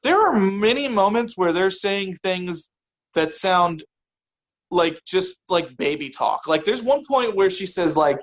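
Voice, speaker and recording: A man's voice: high-pitched, lively intonation, measured pace, low-quality recording. A man guest on a podcast, chatting wryly about a film with lots of fillers. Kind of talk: casual film-review chat.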